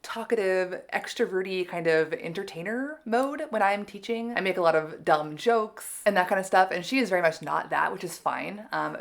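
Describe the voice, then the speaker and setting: A woman's voice: on the low side, gravelly. A woman vlogger talking casually to camera about learning a language, chatty and self-deprecating, with many fillers.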